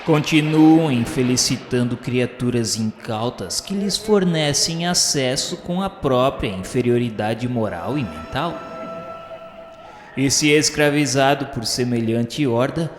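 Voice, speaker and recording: A man narrates a radio drama in a solemn, dramatic way, pressing harder on key phrases. His mid-pitched voice rings in a long, roomy reverb. Soft music plays faintly underneath. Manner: solemn, dramatic, rising in emphasis.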